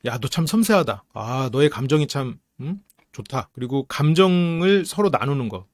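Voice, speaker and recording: A man giving a casual psychology lecture to his channel's viewers, animated and acting out example lines in different voices. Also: mid-range voice, no echo, studio quality. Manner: animated, acts out quoted lines with voice shifts; mixes polite and casual speech, laughs at own asides.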